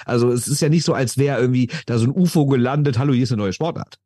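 Host, male, rapid-fire, a bit husky, argumentative podcast talk. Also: mid-range voice, dark tone, no room sound, studio quality. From Düsseldorf, Germany. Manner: argumentative, keeps adding tag question "ne?". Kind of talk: casual sports chat.

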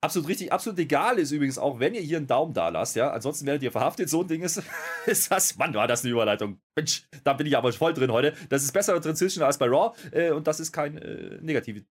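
A husky man with a fairly high pitch and lively intonation talks fast while hosting a wrestling review podcast. He rambles through casual chat, full of fillers and self-corrections.

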